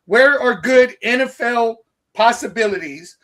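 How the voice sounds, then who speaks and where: Bright high-voiced man on sports chat. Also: animated, unhurried. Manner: rambling, repeats words.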